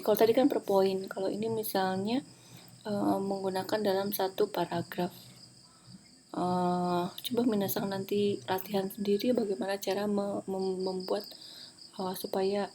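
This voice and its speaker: A woman's voice: medium pitch, fairly bright tone, slight background noise. A woman giving an online lecture on presentation skills, explaining step by step with many fillers. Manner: explanatory, many fillers, switches into Japanese example sentences. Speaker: Japanese language lecturer.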